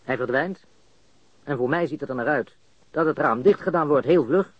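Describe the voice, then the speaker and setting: An actor playing a baffled, cocky and coarse murder suspect in a radio crime drama, stammering and repeating words. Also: male voice, fairly high pitch, moderate pace, no room sound, natural voice. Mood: puzzled, uneasy. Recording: dull, lo-fi radio recording.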